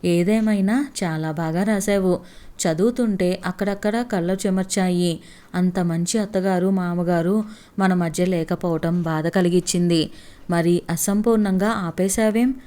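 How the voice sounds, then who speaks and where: A woman's voice: on the low side, fairly even intonation, unhurried, warm tone, clear, resonant tone, lightly acted. A woman voicing an affectionate young husband in a read-aloud story, teasing and coaxing his wife. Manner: teasing, pleading.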